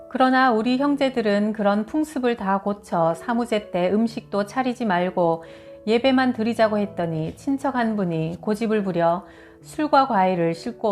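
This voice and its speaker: A woman reading first-person testimony stories as a scripted narration, in a measured read-aloud manner. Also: mid-range voice, a little mellow. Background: background music.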